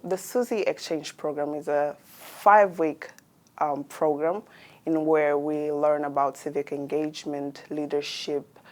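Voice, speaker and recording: Low, flat-voiced young woman from Angola. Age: young adult. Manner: measured, with frequent pauses and fillers. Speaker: exchange student. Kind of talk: interview answers.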